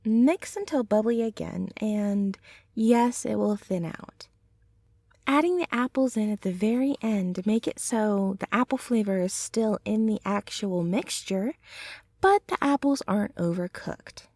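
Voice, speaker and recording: A woman playing a gentle, affectionate young centaur girlfriend in an ASMR roleplay, speaking softly and tenderly in an unhurried ramble. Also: mid-range voice, no echo, clean studio sound. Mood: gentle, chatty.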